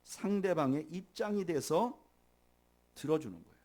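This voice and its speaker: A middle-aged man preaching from the pulpit, his fairly high voice swinging widely in pitch. He builds to loud emphasis, then falls soft, and leads his listeners in reading aloud together. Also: expressive, normal speed. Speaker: pastor. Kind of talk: sermon.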